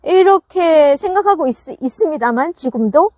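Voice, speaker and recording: A woman's voice: sits high, expressive, normal speed, darkish tone, no echo. Chatty woman with a dry close sound. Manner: chatty, laughs often, frequent restarts. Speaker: gardening channel host. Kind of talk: casual chat to viewers. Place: farm greenhouse.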